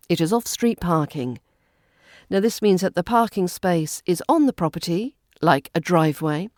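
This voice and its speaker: A woman with a mellow, slightly low voice speaks in a modern British RP accent, very dry and close. She narrates a scripted English lesson as a teacher, enunciating each phrase carefully for learners. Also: dry recording.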